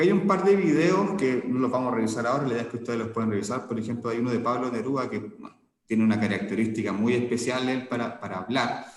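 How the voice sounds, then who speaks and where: In a room with audible echo, a man of medium pitch talks at a fairly quick pace with lively intonation. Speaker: teacher. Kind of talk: lecture. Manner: fast.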